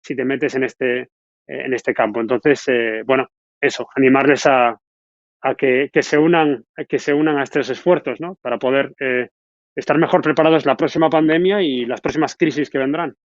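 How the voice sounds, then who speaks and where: A man speaking as a scientist guest, giving encouraging, spontaneous remarks in a hesitant, halting way. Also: mid-range voice, steady tone, no echo. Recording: dull, dry lo-fi call audio.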